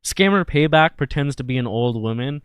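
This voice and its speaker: A man's voice: mid-range voice, expressive, normal speed, smooth, no room sound, clean studio sound. A man hosting a livestream with casual, satirical talk in a crude, irreverent, jokey manner. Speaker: livestream host.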